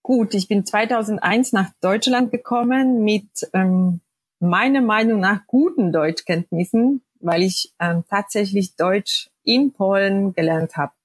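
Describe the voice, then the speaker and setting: A woman's voice: mid-range voice, unhurried, slightly rough, dry recording. A woman in her forties from Poland, whose native language is Polish, speaking with a Polish accent as a podcast guest and telling her story with frequent hesitations. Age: 40s. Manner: hesitant, many fillers. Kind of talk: personal interview.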